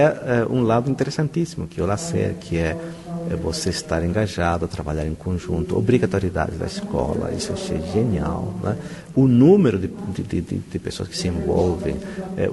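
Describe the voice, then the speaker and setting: Man, Brazilian accent, low gravelly voice, emphatic professor, rhetorical questions, interview amid crowd chatter. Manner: enthusiastic, emphatic, asks himself rhetorical questions. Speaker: university professor being interviewed. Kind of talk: spontaneous interview answer.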